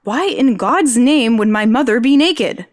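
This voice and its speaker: A woman's voice: fairly high pitch, expressive, a little slow. Wry young woman. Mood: exasperated. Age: young adult. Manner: dry, sarcastic, casual. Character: wry young female journalism graduate, sarcastic and curious. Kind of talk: naturalistic audio drama dialogue and monologue.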